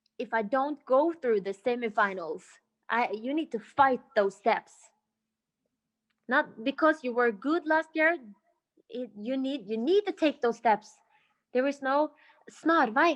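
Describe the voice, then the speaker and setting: A woman with a Norwegian accent, high-pitched and lively in intonation, at a fairly slow pace with long, frequent pauses against a quiet background. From Norway. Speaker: singer. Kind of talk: interview. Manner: halting.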